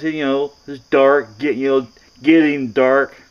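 A man is talking. His pace is very slow. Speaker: vlogger. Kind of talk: casual vlog chat. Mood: nostalgic reminiscing. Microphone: phone near.

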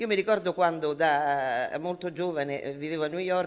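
A man is speaking. His intonation is fairly even. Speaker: panel moderator. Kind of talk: panel question, speech-like. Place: hall. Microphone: podium.

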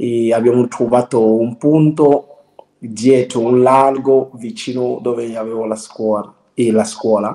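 Speech moves at a very slow pace with monotone, flat intonation. Audible room echo is present. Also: man. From outside Italy. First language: not Italian (speaking Italian). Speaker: guest. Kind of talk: casual chat. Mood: amused, relaxed. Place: home room. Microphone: video call.

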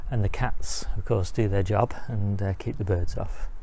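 Over light background noise, a man speaks at a fairly slow pace in a dry sound with no echo. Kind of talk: casual garden tour commentary. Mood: pleased, relaxed. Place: garden. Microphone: phone near.

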